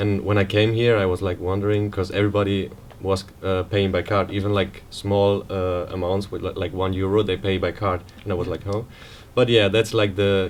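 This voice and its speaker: A man with a German accent talks at a fairly quick pace in a fairly low voice, his intonation flat and monotone. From Germany. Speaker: university student. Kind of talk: casual panel chat. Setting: live webinar.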